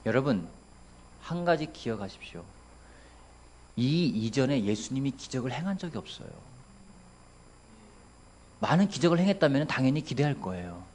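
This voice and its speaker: Male pastor in his thirties, animated sermon delivery, questioning the congregation. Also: mid-range voice, moderate pace, long pauses. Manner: lively, asks the congregation questions, playful voices for quotes. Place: church sanctuary.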